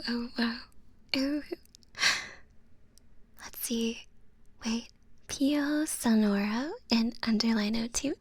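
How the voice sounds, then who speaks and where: A young woman whispering softly and playfully as an ASMR livestream host, close to the microphone, with frequent giggles. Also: on the high side, slightly rough. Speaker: ASMR streamer.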